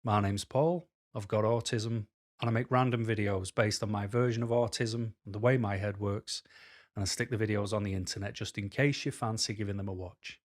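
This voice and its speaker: A man, a little hoarse, talking frankly to camera in a rambling way with many pauses and ums. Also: fairly low pitch, steady tone. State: slightly hoarse. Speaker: vlogger. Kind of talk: casual talk to camera. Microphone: camera mic.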